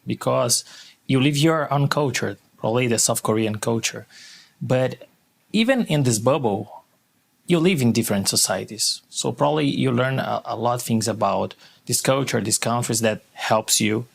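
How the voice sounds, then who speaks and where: Gravelly-voiced host, non-native English. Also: male voice, mid-range voice, moderate pace. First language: Portuguese. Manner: non-native phrasing, earnest and curious. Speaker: podcast host. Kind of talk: interview questions.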